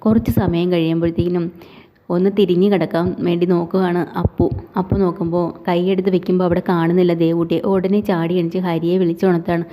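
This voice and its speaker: A woman's voice: on the low side, little pitch movement, quick pace, mellow. A woman casually retelling the plot of a TV serial in long run-on sentences, dropping little tag fillers. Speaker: TV serial recap narrator.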